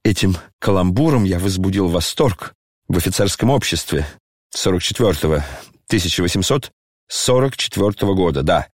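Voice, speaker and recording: A man reading an audiobook and voicing an aging, disgraced retired general who talks slowly, tearfully and pompously. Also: low-pitched, lively intonation, husky, dry recording, clean studio sound, voice pushed down. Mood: grandiose. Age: over 60. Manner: slow, tearful, declamatory, pompous.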